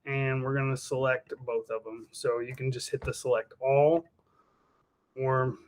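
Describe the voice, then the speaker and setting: A man casually walking through a software task step by step in an informal, explanatory way. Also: medium pitch, little pitch movement, unhurried. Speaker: software demonstrator.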